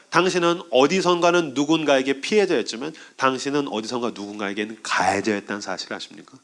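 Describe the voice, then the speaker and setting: A man's voice: a little high, fairly bright tone. A man preaching a sermon as pastor, telling stories and acting out the voices of people in his examples. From South Korea.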